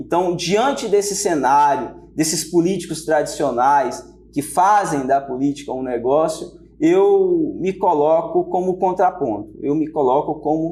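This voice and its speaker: The man's pitch is high and his pace fairly slow. Noticeable background noise runs underneath. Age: 30s. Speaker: politician, public school teacher. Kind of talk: political interview.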